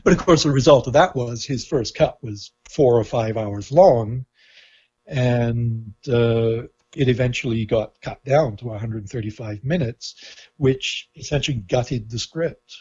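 A man from Canada with a husky voice, talking in an interview in a halting, thoughtful, opinionated way. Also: medium pitch, a little mellow. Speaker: interviewee, film journalist. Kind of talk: reflective interview talk. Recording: dull, lo-fi sound.

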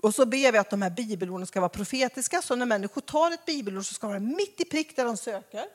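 Female Christian speaker, lively and expressive, pitched a bit high, plays out conversations in her talk. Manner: acts out dialogues with shifting voices.

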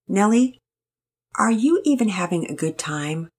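A woman voicing a caring Christian mother who calmly counsels her daughter. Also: mid-range voice, unhurried, breathy edge, pitched above the performer's own voice. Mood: earnest. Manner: calm, earnest, counseling. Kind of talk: storybook reading.

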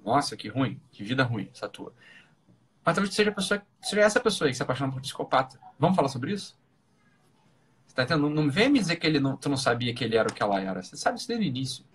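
Rapid-fire husky Brazilian man, blunt and emphatic. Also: medium pitch, very animated. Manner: emphatic, blunt, repeats phrases, rhetorical questions. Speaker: live-talk host giving relationship advice. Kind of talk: informal opinionated talk.

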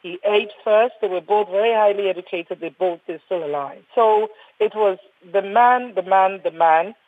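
Older ghanaian woman doctor on a panel, earnest, kinda husky, sounds like a phone line. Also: mid-range voice, normal speed, no room sound. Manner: earnest, emphatic, repeats words when restarting. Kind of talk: panel discussion.

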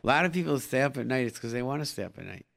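Rapid-fire and animated, a middle-aged man runs a live call-in show, dispensing informal advice in short phrases he repeats, mixed with Hebrew and Yiddish expressions. His voice is medium-pitched and fairly bright, with vocal fry.

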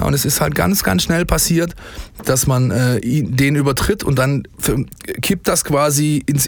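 A man co-hosting a studio podcast, talking casually with a joking, quick back-and-forth manner. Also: mid-range voice, vocal fry, no room sound. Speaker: podcast co-host. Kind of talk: casual chat.

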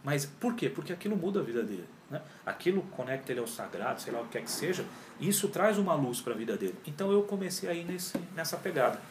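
A man's voice: a little high, fast talker, hardly any pauses, noisy background. A man, a yoga teacher telling his story in a casual, slangy interview. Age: 40s. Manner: animated and slangy, often says cara and pô. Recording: roomy echo.

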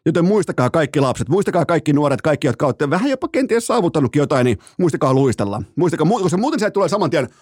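A man hosting a sports podcast, ranting in a mock-outraged comic way and shouting out quoted commands. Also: fairly high pitch, dry recording, studio quality. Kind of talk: comedic sports podcast rant.

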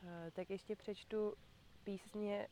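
Calm woman reading a storybook outdoors. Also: mid-range voice, slight background noise. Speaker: reader for children. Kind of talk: reading aloud to children. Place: outdoor community garden.

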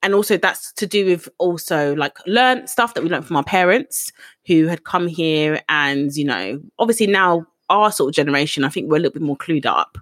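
A young adult woman, co-hosting a casual podcast chat in a chatty, animated way. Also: sits low, no room sound, clean studio sound. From Ghana heritage, raised in England. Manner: animated, chatty, quick asides. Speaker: podcast co-host.

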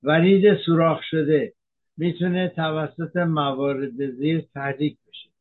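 A man, a physician from Iran, giving a measured health talk that explains medical terms, with frequent hesitations. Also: on the high side, fairly even intonation, narrow, tinny audio.

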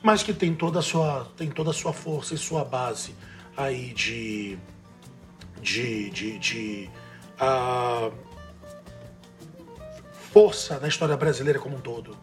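A man's voice: mid-range voice, slow pace, pauses often, faint music behind. A man from Northeast Brazil with a Northeastern Brazilian accent, chatting casually and enthusiastically, sometimes trailing off as he searches for words. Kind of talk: casual chat.

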